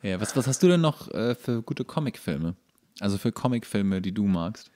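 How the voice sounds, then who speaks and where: Nerdy man explaining, lowish voice. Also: lively intonation, moderate pace, darkish tone. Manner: nerdy, explanatory, eager to add trivia. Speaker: podcast co-host. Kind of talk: casual chat about comics and series.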